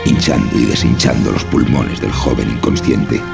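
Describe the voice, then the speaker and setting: A man's voice: a bass voice, steady tone, moderate pace. A man narrating a scripted horror story. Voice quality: gravelly. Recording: music behind the voice.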